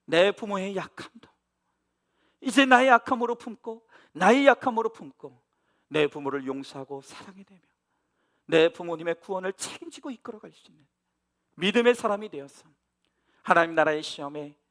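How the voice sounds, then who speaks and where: A man's voice: high-pitched, lively intonation, normal speed, long pauses. A male pastor preaching and leading a spoken prayer in church, with a repetitive, pleading cadence. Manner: hushed, quiet prayer. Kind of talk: sermon and fervent spoken prayer. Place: church sanctuary. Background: music.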